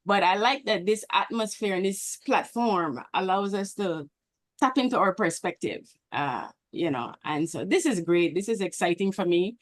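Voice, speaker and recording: A woman from Belize sharing earnest, somewhat halting comments as a guest on an online meeting video call. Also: medium pitch, animated, no echo. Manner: earnest, hesitant restarts.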